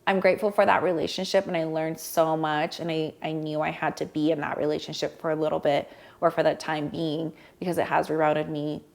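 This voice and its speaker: A woman speaks in a casual podcast chat. Her voice sits a little low and has a gravelly edge. She talks openly, rambling a little and breaking into laughs. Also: level tone, brisk, a little mellow. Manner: candid, rambling, laughs often. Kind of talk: candid conversational chat.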